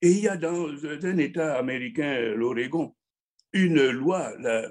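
A man with a fairly high pitch. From Cameroon. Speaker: philosopher and politician. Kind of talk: interview discussion. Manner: halting.

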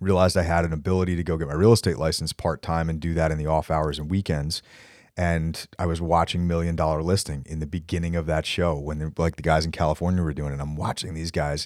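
A very fast, flat, monotone delivery with an American accent. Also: man, very deep, low pitch for a man. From New Jersey, US. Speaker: real estate team leader. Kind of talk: casual interview.

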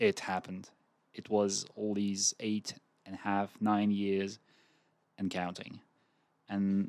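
Speech comes at a very slow pace with long, frequent pauses, flat monotone intonation and a Ukrainian accent. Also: man, fairly low pitch for a man. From Ukraine. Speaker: activist and podcast co-host. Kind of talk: casual chat. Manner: formal.

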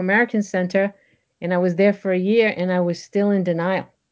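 The speaker has a French accent and a monotone, flat intonation. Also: woman. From Waterville, Maine, US. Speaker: author and educator. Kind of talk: casual interview.

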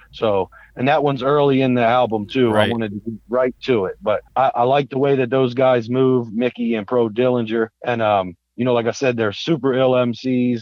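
A man with an American accent has an ordinary speaking voice at a medium pitch. He talks at a moderate pace with fairly even intonation and hardly any pauses. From Baltimore, US. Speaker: hip hop artist. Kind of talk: interview.

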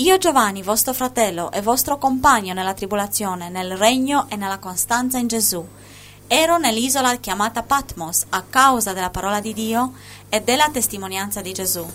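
With lively intonation, a woman speaks at a moderate pace in a fairly high voice. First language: Spanish (speaking Italian). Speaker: religious show host. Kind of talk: scripture reading.

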